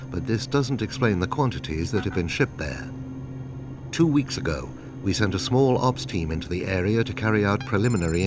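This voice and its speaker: An actor playing a stern, world-weary intelligence chief in a game cutscene, speaking in a terse, blunt, assured way. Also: male voice, sits low. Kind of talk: video game cutscene acting.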